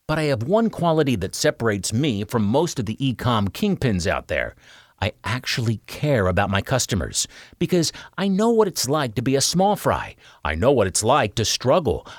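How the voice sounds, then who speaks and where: A man reading a scripted video sales pitch, talking straight to the listener in a persuasive, conversational way with emphatic rhetorical questions. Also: no room sound. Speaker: voice-over artist for sales videos. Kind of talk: scripted sales pitch narration, direct address. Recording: dry close studio voice-over.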